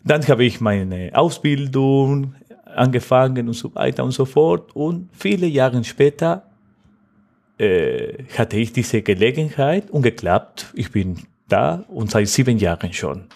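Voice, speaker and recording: A man from Argentina, a Catholic priest, answering interview questions in halting, non-native German with an Argentine Spanish accent. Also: medium pitch, animated, creaky, a little mellow. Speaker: Catholic priest, podcast guest.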